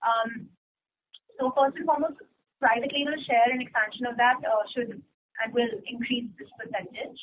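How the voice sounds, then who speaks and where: A woman's voice: on the high side, steady tone, normal speed. A woman speaking as a company executive, explaining figures to analysts on an earnings call. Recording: noisy narrow phone line.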